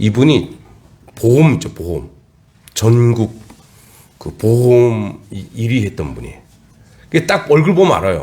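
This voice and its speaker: A man talks at a very slow pace with long, frequent pauses and big swings in loudness. His medium-pitched voice has a dark, mellow tone and very wide pitch swings. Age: 50s. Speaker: pastor. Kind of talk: sermon. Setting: church.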